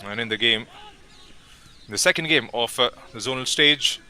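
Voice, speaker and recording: Calling a football match live, this commentator has a very bright, clear-edged voice at an ordinary middle pitch. His play-by-play is steady and measured, naming each player as the ball moves, with brief pauses between names.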